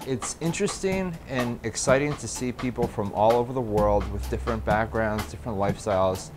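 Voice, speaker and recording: A man's voice: medium pitch, fairly quick, background noise. A man from a drum camp speaking thoughtfully about people bonding over music.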